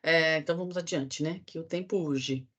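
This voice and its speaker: A woman's voice: low voice, moderate pace, lo-fi sound. A woman teacher reading a children's book aloud in a workshop, telling it expressively and adding sound effects.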